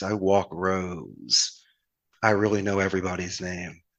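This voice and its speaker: This man has a fairly low voice with an American accent. His intonation stays monotone and flat. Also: quiet background. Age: 50s. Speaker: call center owner. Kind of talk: casual chat.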